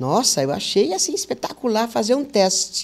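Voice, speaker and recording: A woman speaks with a northeastern Brazilian accent at a moderate pace. The recording is very clean, with a silent background. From Paraíba, Brazilian Northeast. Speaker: radio presenter. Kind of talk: interview.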